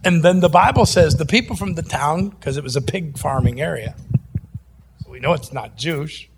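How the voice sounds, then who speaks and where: A man preaching a sermon, animated and jokey, moving between loud outbursts and quiet asides. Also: a little high, moderate pace, vocal fry, noisy background.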